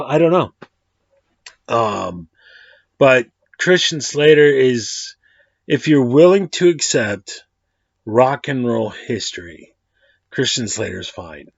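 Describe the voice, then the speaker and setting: A man's voice: medium pitch, creaky, slightly rough, no echo. Man, 40s, vlog host with a mid-range voice. Rambling, slangy, self-correcting delivery. Dry, slightly muffled lo-fi audio. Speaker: host of a movie review channel. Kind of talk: casual movie review vlog.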